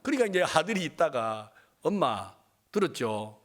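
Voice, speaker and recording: A middle-aged man preaching a storytelling sermon, acting out the people in his story with big jumps in his voice. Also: normal speed. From South Korea. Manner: animated, acts out quoted voices with big pitch jumps. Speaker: pastor.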